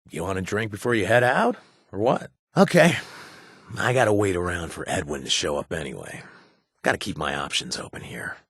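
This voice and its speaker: An actor playing a wry, self-deprecating former raider turned bartender in a video game, halting with fillers in a husky voice. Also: male voice, lowish voice, fairly bright tone, no room sound, clean studio sound, heavily acted. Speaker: game companion character. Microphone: studio mic.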